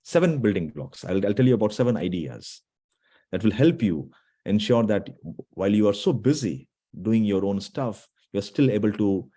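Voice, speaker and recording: A low-pitched man speaks to an online audience in a mellow, relaxed voice. He is earnest and restarts his phrases now and then. He often stops to check that his listeners are following. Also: normal speed. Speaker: guest speaker. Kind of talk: online motivational talk to students.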